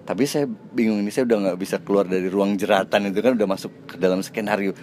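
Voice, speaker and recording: A man's voice: lowish voice, fast talker, slight background noise. A man, an actor, casually telling an anecdote in an interview, acting out the other people's lines in changing voices. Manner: acts out quoted dialogue in changing voices; relaxed, chatty, with fillers and self-laughs.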